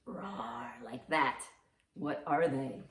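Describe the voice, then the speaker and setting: Extremely slow and rumbling low, this woman's voice still carries lively intonation. She reads aloud and puts riddles to little ones as a storytime host, encouraging and theatrical in her reactions, inside a roomy, echoey space.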